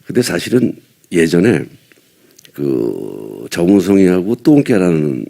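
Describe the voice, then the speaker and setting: Older man from Seoul, low voice, husky, mellow, rambling casual talk, self-deprecating. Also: very animated, slow. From Seoul, South Korea. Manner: rambling, self-deprecating, chuckling between thoughts. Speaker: veteran actor at a film press event. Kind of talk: casual press-conference chat.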